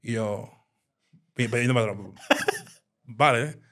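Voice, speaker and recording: A man with an animated storytelling manner, recounting his time as a nightclub bouncer in a casual interview. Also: mid-range voice, slow. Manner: animated storyteller, acts out quoted dialogue.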